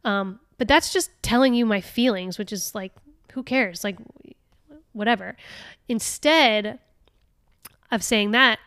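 A woman hosting a casual solo podcast, chatty and laughing often, reading passages aloud with lively expression. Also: on the high side, clear, resonant tone, dry recording, studio quality. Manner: chatty, laughing often, with many fillers and restarts. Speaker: podcast host.

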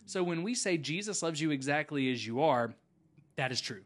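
Animated man telling stories. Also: fairly high pitch, normal speed. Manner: animated storyteller, frequent "right?" and "okay?" tags. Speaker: podcast host and former student pastor. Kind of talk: casual chat.

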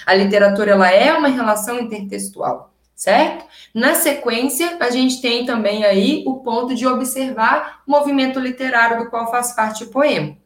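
A woman's voice: fairly high pitch, normal speed, hardly any pauses. A Brazilian woman with a Brazilian Portuguese accent teaching a literature class in a chatty, enthusiastic way, often asking rhetorical questions. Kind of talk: casual online class lecture. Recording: echoey room.

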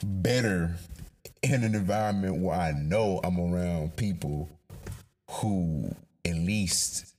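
A man's voice: deep voice, slow pace, darkish tone, a little hiss or hum. A young man with an African American accent chatting casually as a podcast host, slangy and swearing freely. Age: young adult.

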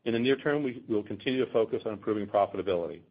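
On a scripted earnings call, a company finance executive with a fairly low, husky voice reads his prepared financial remarks. He speaks formally and at a measured pace as he goes through the figures, and the slightly dull audio suggests a conference line.

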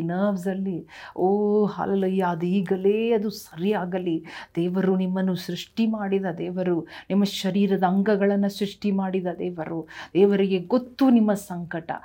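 A woman's voice: medium pitch, mellow. A woman preaching and praying with fervour, repeating phrases and calling out hallelujah as her exhortation rises. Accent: Kannada. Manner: repetitive, rising exhortation with frequent hallelujahs. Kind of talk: fervent sermon and prayer.

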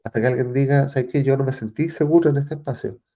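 A man from Chile with a Chilean accent, talking as an interview guest in a thoughtful way, often pausing and restarting as he searches for words. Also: mid-range voice, warm tone. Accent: Chilean Spanish. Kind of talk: reflective conversational interview.

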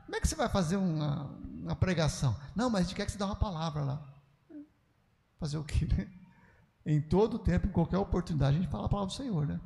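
A man's voice: sits high, animated, fast, creaky, mellow, in a large hall. An older man with a Brazilian Portuguese accent, a pastor teaching a church class in a conversational, folksy way full of asides.

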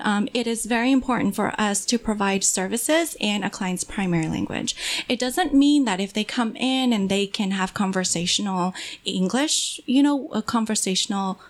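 A woman whose first language is Hmong, explaining services as an agency representative in an interview. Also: mid-range voice.

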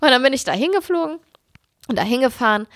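Animated high-voiced woman telling a story. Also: quick pace, no room sound, studio quality. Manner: animated, dramatic, squeals when reliving fright. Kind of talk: casual storytelling chat.

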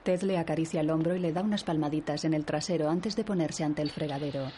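A woman reading scripted audio description in an even, descriptive manner. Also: low voice, fast, a little hiss or hum.

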